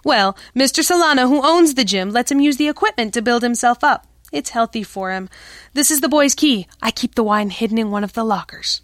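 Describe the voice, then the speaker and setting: Actress as a high-voiced, wistful dance-hall girl. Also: animated, brisk, a bit bright, studio quality. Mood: innocent, persuasive. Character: sweet, wistful young dance-hall girl, scheming and melodramatic. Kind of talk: old-time pulp radio drama acting.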